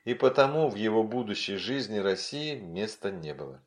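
A man reading an audiobook as its narrator, telling the story in an expressive way. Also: lowish voice, normal speed.

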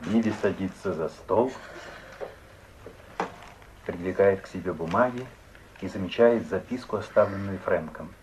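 A man narrating stage directions in a 1950s radio play, measured and neutral. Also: deep voice, darkish tone, a little hiss or hum, poor audio.

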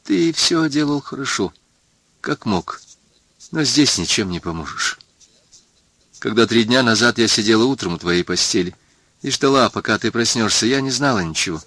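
A man's voice: mid-range voice, lively intonation, normal speed, fairly bright tone, no echo. A man voicing a distraught, frightened young woman, pleading in breaking phrases in an audiobook. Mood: quiet confiding. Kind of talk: audiobook character voice.

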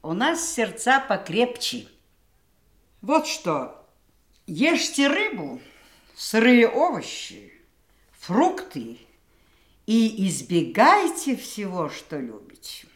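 Audio play role: matter-of-fact nurse, dry humour, slow delivery, very varied intonation. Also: female voice, medium pitch, huge pitch swings. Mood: wry, advising. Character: unflappable, frank, wry nurse at a deathbed. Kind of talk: audio stage drama dialogue.

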